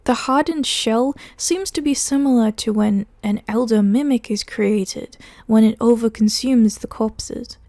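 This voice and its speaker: A woman with a fairly high voice and a very soft, mellow tone narrates a video essay. She talks conversationally, recapping and commenting as she goes, with a dry, sardonic edge. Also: dry recording. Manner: conversational, wry, sardonic asides. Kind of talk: casual narrated recap and commentary of a horror web series.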